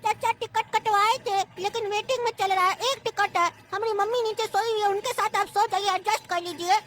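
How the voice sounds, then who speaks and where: A cheeky cartoon little boy, voiced by a woman, whining and playing innocent. His voice sits very high and bright. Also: steady tone, a little fast. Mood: pleading. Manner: whiny, cheeky, plays innocent. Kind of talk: cartoon comedy voice acting.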